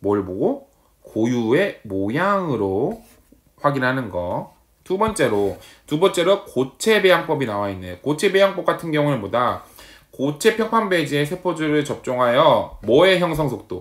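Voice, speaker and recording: A man talks fairly slowly in a fairly high voice, his pitch swinging very widely. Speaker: vocational high school teacher. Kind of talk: lecture. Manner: halting, with self-corrections.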